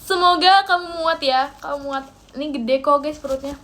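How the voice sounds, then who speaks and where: A young woman from Indonesia chats playfully through a livestream, her voice high and light as she reads out viewer gifts. She drifts into English phrases mid-sentence. A faint hiss of background noise sits under her phone-mic sound. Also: normal speed, fairly bright tone. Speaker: idol livestream host. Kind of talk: casual livestream chat.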